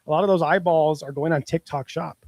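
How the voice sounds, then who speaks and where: A man's voice: a little high, fairly even intonation, a little fast, a little mellow, dry recording. A man co-hosting a business podcast in casual, upbeat chat, encouraging and chuckling often, on a close mic. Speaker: podcast co-host.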